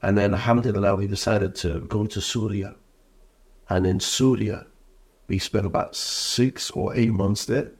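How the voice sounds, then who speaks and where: Iraqi-born guy, low gravelly husky voice, telling his story all earnest. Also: fairly even intonation, a little slow, darkish tone. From Iraq. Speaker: guest. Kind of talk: personal life story in an interview.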